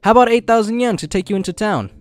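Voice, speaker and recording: A man voicing a confident, pushy teenage boy hustling rides in a comic fan dub, brisk and salesman-like. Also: sits high, faint music behind, natural voice. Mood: eager, pitching.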